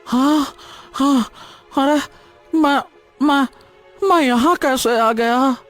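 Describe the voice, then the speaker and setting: An actor voicing a weary, troubled old beggar in a cartoon story, speaking in a hesitant, pleading way. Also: male voice, very high voice, very slow, a bit bright, faint music behind, full character voice. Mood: anguished.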